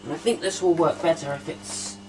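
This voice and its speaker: A woman with a lowish, mellow voice talks calmly through each step as she handles an old machine indoors. Her tone is relaxed and explanatory, and a faint hum sits underneath. It sounds like a casual home demo. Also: fairly quick. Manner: calm step-by-step explaining while handling equipment. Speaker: hobbyist vlogger. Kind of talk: casual demonstration narration.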